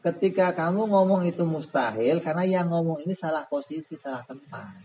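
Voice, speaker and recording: A man teaching a religious text in a relaxed, humorous way, who often poses questions to his listeners. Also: a little high, fairly quick, dull audio, slight background noise. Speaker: Islamic boarding school teacher. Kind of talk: religious book study lesson.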